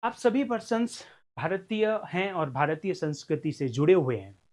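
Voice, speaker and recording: A man's voice: high-pitched, big pitch swings, normal speed, a little mellow. A man giving a recorded law lecture in a conversational way, often asking his students rhetorical questions and mixing English legal terms into his talk. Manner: mixes English legal terms into Hindi speech. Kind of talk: recorded exam-prep lecture.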